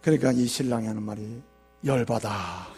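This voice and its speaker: A man's voice: very high-pitched, expressive, brisk, a little mellow, slight background noise. A male pastor preaching a sermon in a church, often asking the congregation questions and telling jokes. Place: church sanctuary.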